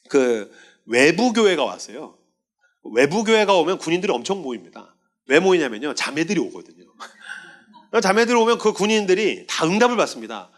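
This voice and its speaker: 생동감 넘치는 설교 목사, 남성. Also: male voice, high voice. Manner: animated storytelling, acting out voices of soldiers. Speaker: pastor. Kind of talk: sermon.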